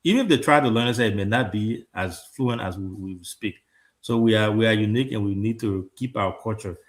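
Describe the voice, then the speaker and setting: A man's voice: lowish voice, a little fast. Earnest Liberian man hosting a talk show. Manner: earnest, repeats words when restarting. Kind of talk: casual talk show discussion.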